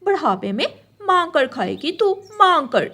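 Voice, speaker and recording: A woman's voice: high-pitched, sing-song, unhurried, pushed and bright, slight background noise, full character voice. A woman doing a sneering female crow. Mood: taunting. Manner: taunting, scornful. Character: mocking, boastful female crow, Gauri.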